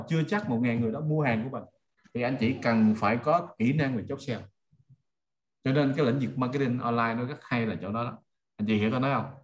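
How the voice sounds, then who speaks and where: Teaching informally on a video call, a middle-aged online marketing trainer with a Southern Vietnamese accent speaks in a mid-range, slightly bright voice. He chats with everyday examples and keeps checking, through rhetorical questions, that his audience follows along.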